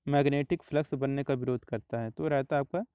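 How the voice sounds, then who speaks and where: A man, teaching exam questions step by step in a steady, explanatory way. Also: mid-range voice, a little fast, clear, resonant tone, no echo. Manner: steady explanatory, repeats answers, frequent "तो देखिए" and "आपका".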